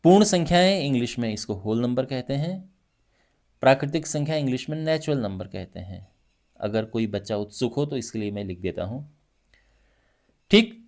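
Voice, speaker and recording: A male math teacher with a Hindi accent teaches a lesson with lots of energy, speaking at a normal speed with long pauses. His voice rests at a middle pitch, jumping high for emphasis and dipping low when he lists items. He often checks in with students and repeats himself so they can keep up.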